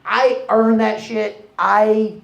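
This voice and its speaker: A man's voice: high voice, little pitch movement, drawn-out words, vocal fry, echoey room, lo-fi sound. A man telling a crude, profane, self-mocking story at a live storytelling show.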